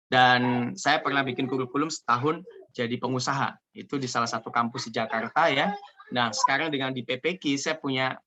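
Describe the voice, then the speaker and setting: Energetic, joking man, bright voice. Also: mid-range voice, highs cut off. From Indonesia. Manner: energetic, joking, repeats "ya" often. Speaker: seminar speaker. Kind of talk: motivational business talk. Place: online video call. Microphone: video call.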